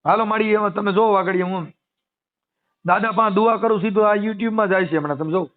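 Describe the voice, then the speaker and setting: A man's voice: sits high, a little fast. A man with a Kathiyawadi Gujarati accent giving reassuring, informal advice over a phone call. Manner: reassuring, advising, talks over caller. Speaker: spiritual helper taking calls for his YouTube channel. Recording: band-limited phone call recording.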